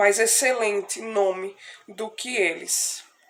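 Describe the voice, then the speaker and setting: Against noticeable background noise, a woman with fairly high pitch speaks with fairly even intonation. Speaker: online Bible reader. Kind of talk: Bible reading with devotional talk.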